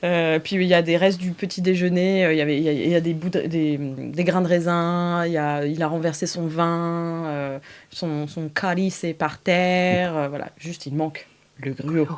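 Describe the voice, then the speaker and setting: A woman's voice: on the low side, fairly even intonation, moderate pace, clean tone. A woman narrating an improvised tabletop game as game master, chatty and hesitant, full of fillers.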